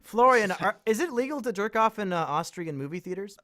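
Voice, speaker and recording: A man's voice: high voice, expressive, fairly quick, fairly bright tone. A man hosting a casual podcast, cracking crude teasing jokes and laughing often. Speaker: podcast host.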